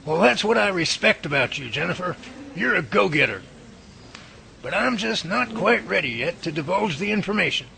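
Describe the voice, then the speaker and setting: A man plays an earnest research professor in an audio drama. His voice is very gravelly and bright, with animated intonation and a folksy, guarded way of talking, over faint noise. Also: high voice, normal speed, exaggerated voice, poor audio. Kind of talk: radio drama acting.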